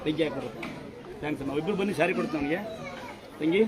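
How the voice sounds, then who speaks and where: A man with a Kannada accent, a temple priest instructing and blessing devotees at a fast, forceful pace. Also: fairly high pitch. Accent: Kannada, Karnataka. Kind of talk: loud public address to devotees. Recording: loud crowd behind.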